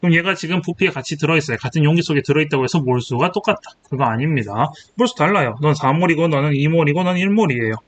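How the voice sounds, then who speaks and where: A man's voice: a little high, lively intonation, racing, few pauses. A young man in his twenties tutoring chemistry, walking through exam problems and thinking aloud as he writes, checking in with rhetorical questions and correcting himself. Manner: self-correcting, thinking aloud while writing. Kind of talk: exam problem walkthrough lecture. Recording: faint hiss.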